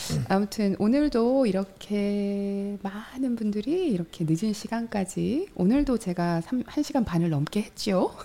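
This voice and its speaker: Speaking at a fairly slow pace with hardly any pauses, a woman keeps her loudness very even and her medium pitch lively in intonation, over noticeable background noise. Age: 40s. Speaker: podcast host and fitness YouTuber. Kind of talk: live stream casual chat.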